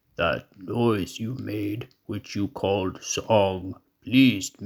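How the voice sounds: A man uses a put-on character voice, fairly low in pitch, at a very slow pace. The recording is very clean with a silent background.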